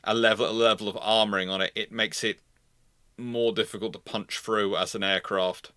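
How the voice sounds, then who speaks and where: A man hosting a live history talk, explaining off the cuff in a halting way, repeating and rephrasing for emphasis. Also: lowish voice, steady tone, pushed and bright, clear, resonant tone, dry recording, clean studio sound. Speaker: host answering naval history questions.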